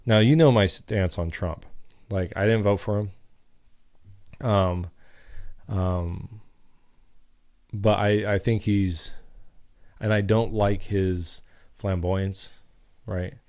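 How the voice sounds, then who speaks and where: A young man with a very low, deep voice chats on a podcast. He rambles through his stories with plenty of fillers and restarts. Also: steady tone, takes it slowly, long pauses, darkish tone. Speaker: podcast co-host. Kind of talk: casual chat.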